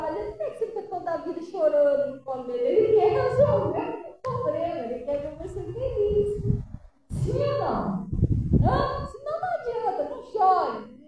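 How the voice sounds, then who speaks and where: An older woman pastor giving a conversational sermon, often asking the congregation questions. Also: very high voice. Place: church hall. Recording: echoey hall, distant mic, noisy.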